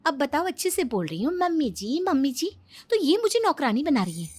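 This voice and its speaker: A woman voicing a quick-witted young daughter-in-law who talks back in an animated story. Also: high voice, dry recording, voice pushed up. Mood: grumbling.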